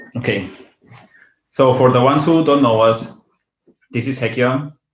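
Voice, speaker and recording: The speaker talks at a moderate pace. Echo from the room is audible. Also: man, medium pitch for a man. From Spain, Catalonia. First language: Catalan and Spanish. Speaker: travel vlogger. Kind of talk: casual live Q&A chat. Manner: animated.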